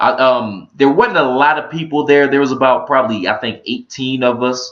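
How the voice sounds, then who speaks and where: Here a man talks in an animated tone. His pitch sits at a medium level. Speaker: live stream talk show host. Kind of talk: live talk show monologue. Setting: home live stream. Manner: fast.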